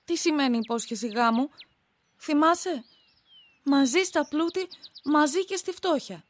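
A woman playing a high, clingy haunted young wife. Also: close to an everyday voice. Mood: soft coaxing. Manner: pleading, clingy, tearful swings. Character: anxious young wife haunted by spirit voices. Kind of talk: audio drama acting.

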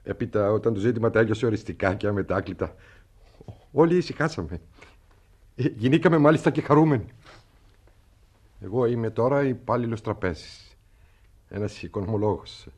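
An actor in a radio play, playing a genteel gentleman who rambles and hesitates. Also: fairly low pitch, expressive, pauses often. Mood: rambling.

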